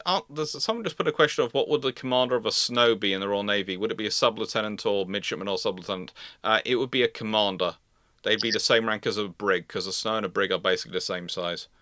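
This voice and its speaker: A man with a fairly low, bright and forceful voice answers live questions as a host. The sound is dry and close. He explains in a rambling way, doubling back and repeating the starts of his phrases. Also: fast, no room sound. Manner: rambling, repeats and restarts phrases mid-sentence.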